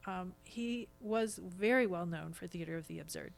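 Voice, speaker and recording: A woman's voice: on the low side, moderate pace, creaky. An American woman in her fifties talking casually as a podcast guest, explaining things with examples. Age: 50s.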